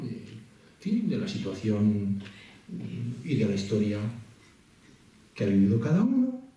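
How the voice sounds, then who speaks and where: A man speaks at a fairly slow pace, his pitch swinging very widely. Room echo is audible, and there is noticeable background noise. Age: 60s. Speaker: theologian lecturer. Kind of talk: lecture. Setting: library lecture hall with audience. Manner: hesitant with many fillers.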